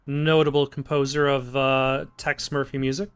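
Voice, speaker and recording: A man's voice: medium pitch, flat delivery, normal speed, clean tone. A man hosting a let's play with casual gameplay commentary, musing aloud and joking dryly.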